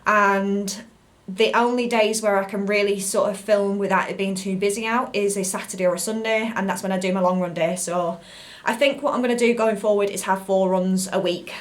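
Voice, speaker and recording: British female fitness vlogger, mid-pitched, informal and rambling explainer delivery to camera. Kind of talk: casual talk to camera.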